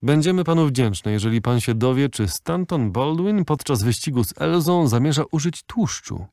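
A man's voice: medium pitch, expressive, moderate pace, darkish tone, dry recording, clean studio sound, pitched above the performer's own voice, natural voice. Man voicing a haughty old aristocratic lady. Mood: explaining. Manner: stiff, disdainful, lecturing.

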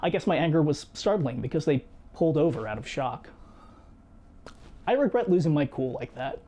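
A man in his thirties reading a scripted personal video essay in a measured, reflective way, seated in a small home studio. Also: on the high side, animated. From United States. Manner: measured, reflective storytelling with quiet asides. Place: small home studio room with guitars and shelves.

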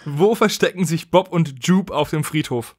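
Man hosting a casual quiz, higher-pitched, dry sound. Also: animated, normal speed, darkish tone, breathy edge, no room sound. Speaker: podcast host and quizmaster.

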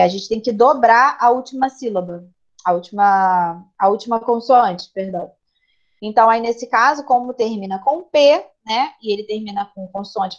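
Patient Brazilian woman teaching. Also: fairly high pitch. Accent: Brazilian Portuguese. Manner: patient, explanatory, checks in with students. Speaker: English teacher. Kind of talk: online class explanation. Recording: slightly dull lo-fi audio.

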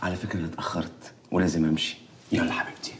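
Brief: low-voiced joking Egyptian husband, played by an actor, echoey room. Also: male voice, flat delivery, racing, a little hiss or hum, natural voice. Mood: teasing. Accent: Egyptian Arabic. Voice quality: joking, playful. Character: teasing evasive young husband. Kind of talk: TV drama acting. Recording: roomy echo.

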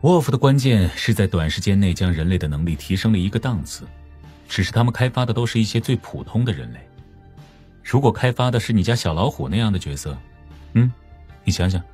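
Audiobook drama role: cunning older male mastermind acted by a man, low-pitched, lively swooping delivery, unhurried and teasing. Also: faint music behind, close to an everyday voice. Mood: musing.

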